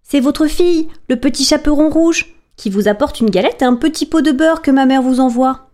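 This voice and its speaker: A woman's voice: moderate pace, close to an everyday voice. A woman doing a wide-eyed little girl. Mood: polite. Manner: high, bright, wide-eyed.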